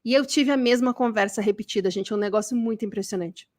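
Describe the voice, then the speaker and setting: High-voiced Brazilian woman teaching. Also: fast. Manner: lively, acts out quoted people. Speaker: burnout recovery teacher. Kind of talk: live online class.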